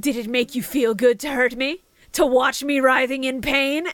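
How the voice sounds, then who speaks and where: The speaker uses a put-on character voice with a high pitch. The pace is moderate. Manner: oddly sensual, uncomfortable.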